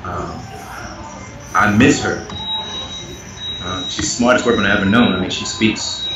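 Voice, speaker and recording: Interview guest: earnest man with a low voice, recorded far off the mic in an echoey space. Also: a little slow, over music. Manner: earnest, animated, rising in pitch when making a point. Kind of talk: candid conversational interview. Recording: echoey, muffled, noisy remote audio.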